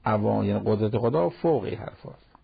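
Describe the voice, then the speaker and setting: A man's voice: lowish voice, animated, creaky, slightly rough. A man giving a conversational sermon on Quran verses in speech, quoting Arabic verses now and then. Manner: plain conversational preaching, quotes Arabic verses. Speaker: cleric giving a Quran commentary talk. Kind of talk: sermon-style Quran commentary. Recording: dull lo-fi broadcast recording.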